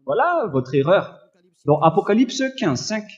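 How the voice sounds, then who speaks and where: High-pitched man preaching loudly, dull recording. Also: sing-song, unhurried. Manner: loud, forceful preaching; accusatory, admonishing. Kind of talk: fervent sermon with scripture reading.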